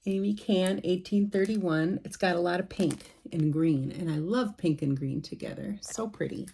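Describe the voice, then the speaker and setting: A middle-aged woman chats casually at home, showing off her cross-stitch patterns and rambling with lots of ums and restarts. Her voice sits on the low side, with a dark, breathy-edged tone, and she talks at a normal speed.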